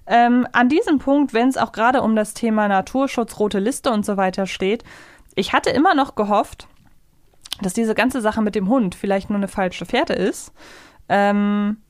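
A woman's voice: mid-range voice, a little slow, no room sound, clean studio sound. A woman co-hosting a podcast, talking casually and reflectively in long, winding clauses. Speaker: podcast co-host. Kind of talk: casual discussion of an audio drama.

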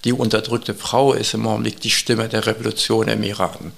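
A man answering interview questions as an expert guest, earnest and urgent, with measured phrasing and frequent hesitations. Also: on the low side, flat delivery, vocal fry, fairly bright tone.

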